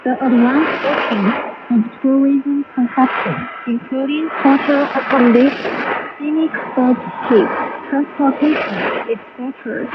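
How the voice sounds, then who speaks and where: A woman radio presenter reading a scripted feature, heard over a shortwave broadcast. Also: high voice. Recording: muffled shortwave radio, heavy static and noise.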